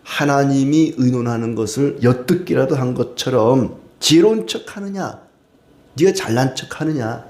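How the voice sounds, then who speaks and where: A man's voice: mid-range voice, normal speed, darkish tone, pitched above the performer's own voice, natural voice. A man voicing a stern elderly man who scolds a younger friend with pointed rhetorical questions. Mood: scolding. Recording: roomy echo.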